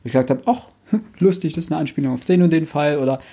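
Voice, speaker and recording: Fast-talking, husky man. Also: on the high side, warm tone. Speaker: podcast panelist. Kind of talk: casual book review discussion.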